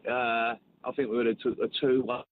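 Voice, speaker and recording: A man calling a sports radio show, talking excitably and repeating himself. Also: mid-range voice, fast, a loud crowd. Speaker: caller, football fan. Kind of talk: phone-in call. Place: travelling home. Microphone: phone. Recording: tinny phone line.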